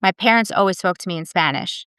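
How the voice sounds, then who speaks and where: A woman's voice: on the low side, fast talker, a bit bright, clean tone, dry recording. A woman, an immigration attorney, reflecting in casual conversation and telling personal stories with many "like" fillers. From United States.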